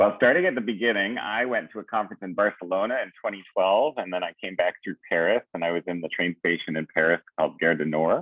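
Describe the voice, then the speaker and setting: This man speaks very fast with a Canadian accent. He barely pauses at all. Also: fairly low pitch for a man, ordinary pitch variation. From Canada, British Columbia. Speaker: tech entrepreneur and lawyer. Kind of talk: interview conversation.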